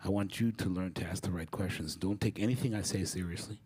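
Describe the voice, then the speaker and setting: A middle-aged man giving a storytelling talk, animated and acting out the people he quotes. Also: sits low, fast, breathy edge. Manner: animated, acts out quoted voices. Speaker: guest speaker. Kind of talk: storytelling lecture.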